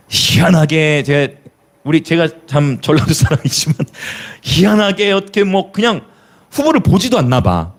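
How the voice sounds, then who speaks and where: Lively pastor. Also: male voice, high-pitched. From Jeolla, South Korea. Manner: lively preaching with rhetorical questions and hallelujahs; chuckles between remarks. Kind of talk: sermon.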